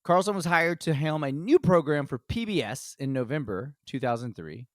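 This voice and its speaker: A man's voice: fairly high pitch, animated, moderate pace, dry recording, clean studio sound. A man hosting a comedy podcast, reading notes, swearing and joking with friends. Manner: profane, joking, laughing often. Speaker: podcast host leading the episode.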